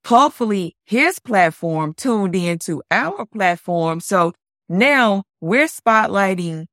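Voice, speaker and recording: A woman with a deep voice co-hosting a podcast, chatting in an upbeat, energetic way close to her mic. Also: takes it slowly, no room sound. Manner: upbeat, energetic, says "like" often. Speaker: podcast co-host. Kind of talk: casual podcast chat.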